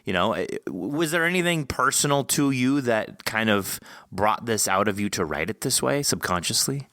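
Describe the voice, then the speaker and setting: Bright-voiced man hosting a chat. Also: on the low side, expressive, normal speed, no room sound, studio quality. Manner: wordy, rambling, thinking aloud. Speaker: podcast host interviewing an author. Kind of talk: casual interview chat.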